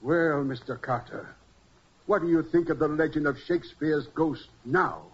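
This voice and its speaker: An actor playing a fussy, nervous, genteel book collector in a 1940s radio drama, hesitant and polite. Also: male voice, a little high, normal speed, lightly acted. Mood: uneasy. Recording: muffled, hissy 1940s radio recording.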